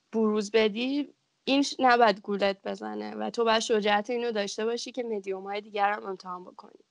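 A woman's fairly high voice at a very fast pace, with fairly even intonation and big swings in loudness. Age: 20s. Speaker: photographer and art student. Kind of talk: casual chat.

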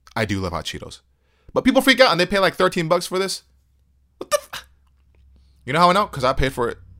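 A man talks at a very fast pace with an American accent and an animated tone, captured in a very clean recording with a silent background. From US-born Korean American. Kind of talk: casual monologue.

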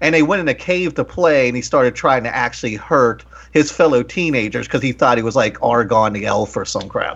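Speaking in an American accent, a man with a medium pitch shows lively intonation and vocal fry. He talks at a fairly quick pace with hardly any pauses. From Maryland, US. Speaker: podcast host. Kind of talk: casual chat.

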